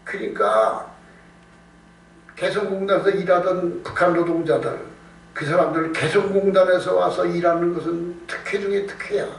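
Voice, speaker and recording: 남자 목사가 같은 말을 거듭하고 스스로 묻고 답하며, 힘주어 강조하는 대화체로 설교한다. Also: male voice, sits high, moderate pace, creaky. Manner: emphatic, repeats phrases, rhetorical questions. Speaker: pastor preaching. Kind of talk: Korean evening-service sermon, conversational. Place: indoor church service. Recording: echoey church room, distant mic, noise, hum.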